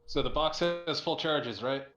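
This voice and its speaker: A man playing in an online tabletop game, talking quickly and casually about rules and plans. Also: on the high side, highs cut off, music in the background. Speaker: player. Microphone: computer mic on a voice call. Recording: echoey room, faint keyboard noise.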